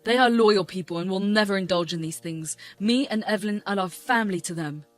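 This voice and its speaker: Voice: medium pitch, fairly quick, fairly bright tone, no room sound, natural voice. A voice actor playing an angry, protective father and restaurant owner who scolds indignantly over faint music.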